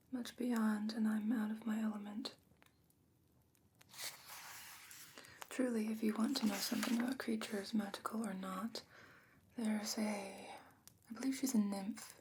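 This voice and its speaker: A woman playing a patient, bookish sorceress in a fantasy ASMR roleplay, whispering breathily and explaining in a measured, gently skeptical way. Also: a little high, slight background noise, lightly acted. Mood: calm, helpful.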